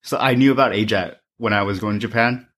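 A young man from Taiwan whose first language is Chinese, co-hosting a podcast in a relaxed, halting chat full of fillers. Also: on the low side. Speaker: podcast co-host. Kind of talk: casual chat.

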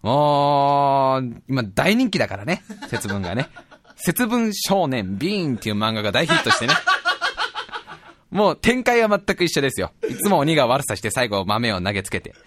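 A man's voice: medium pitch, moderate pace, a little hiss or hum. A man hosting a podcast, telling a comic story in chat and acting out the people in it. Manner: animated, acts out voices of people in his stories. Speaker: podcast host. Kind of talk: casual comedic storytelling monologue.

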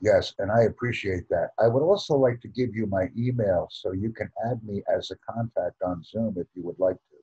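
An American man hosting a video call as a tutor, speaking in a formal, deliberate way with careful enunciation. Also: fairly low pitch, warm tone, slightly rough, lo-fi sound. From United States. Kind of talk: slow, careful call with a learner. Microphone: computer mic on a video call.

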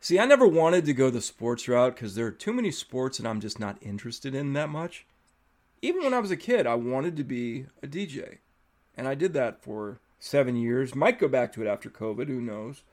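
A man's voice: medium pitch, big pitch swings, moderate pace. Chatty man hosting a podcast. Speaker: podcast host. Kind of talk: casual interview chat.

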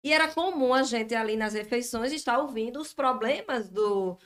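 A woman's voice: on the high side, normal speed. A woman in casual podcast talk, chatting and telling anecdotes about her husband. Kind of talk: casual chat.

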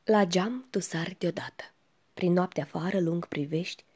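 A woman with a low, mellow voice recites poetry slowly. Her tone is husky and breathy, and she keeps dropping into a hushed whisper. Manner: slow, hushed, often sinking to a whisper. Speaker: reader.

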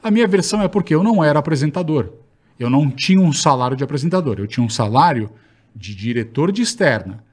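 A man's voice: a little high, animated, fast talker, darkish tone. A middle-aged man chatting casually as a guest, blunt and grumbling, with a lot of swearing and slang. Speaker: guest, former TV field director. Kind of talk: casual podcast banter.

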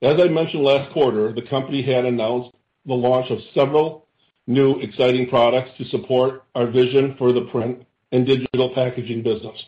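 A man delivers a prepared earnings presentation as a chief executive. His mid-range voice is formal and measured, broken into deliberate phrases. The sound is muffled and clearly echoey, like a conference call from a reverberant room. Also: mid-range voice, steady tone.

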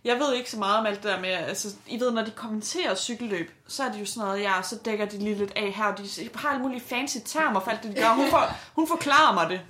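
A woman's voice: medium pitch, few pauses, pushed and bright, roomy sound, slight background noise. A woman co-host chatting enthusiastically on a podcast. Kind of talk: casual chat.

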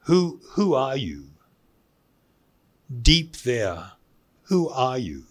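Male spiritual teacher, mid-pitched, very unhurried delivery with pauses and emphatic repetition. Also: sing-song. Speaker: spiritual teacher giving a talk. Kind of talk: spiritual lecture to a live audience.

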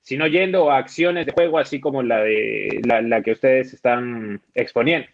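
Male football panelist, even mid voice, dull dry remote audio. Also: mid-range voice, moderate pace, vocal fry, no room sound. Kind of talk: football commentary.

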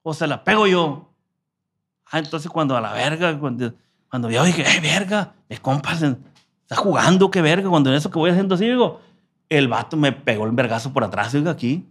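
A man recounts a story in a relaxed interview. He talks in thick street slang and swears freely, with a voice pitched a little high for a man. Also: fairly quick, slightly rough. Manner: slangy, profane, animated storyteller. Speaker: musician guest.

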